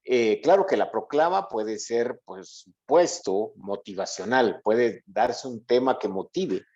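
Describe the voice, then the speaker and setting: A man's voice: mid-range voice, expressive, takes it slowly, darkish tone. A man giving an interactive Bible lesson to a congregation, explaining didactically and often checking understanding with short questions. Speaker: church Bible teacher. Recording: dull, lo-fi, muffled audio.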